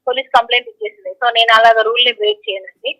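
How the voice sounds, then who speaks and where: A woman's voice: fairly high pitch, expressive, racing, bright, forceful tone. A woman answering questions in a phone interview, speaking insistently and repeating her phrases. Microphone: phone call. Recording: tinny telephone line.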